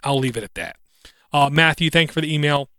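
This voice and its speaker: A man's voice: a little high, sharp tone. Earnest man with a faint stutter. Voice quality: slight speech impediment with occasional stutters. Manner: earnest, reflective, halting with fillers. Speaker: podcast host. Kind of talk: solo podcast monologue.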